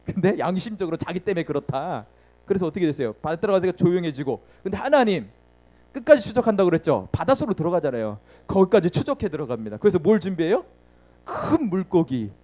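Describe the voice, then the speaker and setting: A man preaches a sermon in a voice on the high side, very animated, fast, and warm. He poses questions to the congregation and answers them himself, acting out the story with sound words and laughing often.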